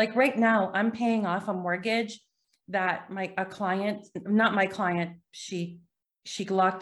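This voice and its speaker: With a Canadian accent, a woman talks at a medium pitch and a fairly slow pace, keeping her intonation fairly even. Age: 40s. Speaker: mortgage broker. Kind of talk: interview. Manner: hesitant, many fillers.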